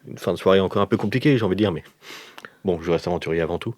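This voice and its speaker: A self-important artist played by a man in an improvised audio RPG, speaking in a lowish voice, close and dry. He is formal and pompous, yet stumbles politely over his words. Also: very fast, darkish tone, dry recording. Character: vain, hesitant male artist-adventurer, self-important and polite.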